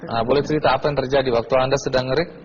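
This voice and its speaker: A man's voice: medium pitch, fairly even intonation, very fast. Man, TV interviewer, probing questions, dull lo-fi sound, faint hiss. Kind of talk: testimony interview. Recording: dull lo-fi TV audio, faint noise.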